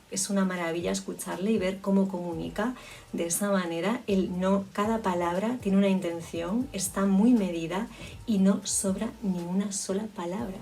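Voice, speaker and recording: Creaky-voiced woman coaching speech. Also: medium pitch, darkish tone, far from the mic. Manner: reflective, explanatory, with frequent restarts. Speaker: public speaking coach. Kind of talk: spoken lesson on communication.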